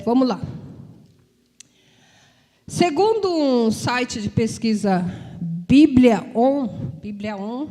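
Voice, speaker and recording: A woman's voice: sits high, a little mellow. A woman preacher and psychologist giving a conversational sermon, informal and repetitive, often checking in with her listeners. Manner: informal and repetitive, with frequent tag questions. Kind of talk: conversational sermon to a congregation and online viewers. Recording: long reverb from a large hall.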